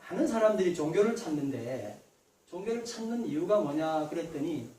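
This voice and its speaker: Roomy-sounding Korean pastor preaching. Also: male voice, fairly high pitch, lively intonation, a little fast, mellow, far from the mic, slight background noise. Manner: conversational preaching, asks the congregation questions directly. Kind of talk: Sunday sermon. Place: church sanctuary.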